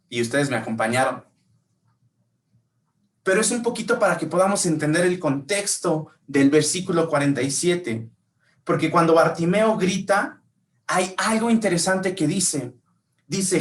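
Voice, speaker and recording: Man, sermon, storytelling, somewhat high voice, distant mic in a church. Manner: storytelling, asks the listeners questions. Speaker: preacher.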